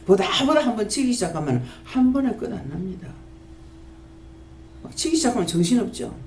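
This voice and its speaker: A woman pastor, preaching a sermon and scolding with rapid-fire rhetorical questions. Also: mid-range voice, very animated, darkish tone. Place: prayer house church. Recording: echoey church hall, faint background noise.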